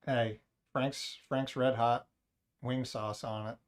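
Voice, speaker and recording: A male livestream host with a medium-pitched voice speaks slowly and with fairly even intonation. He's a casual streamer who jokes and rambles, chatting with his viewers and talking to both the chat and his cat.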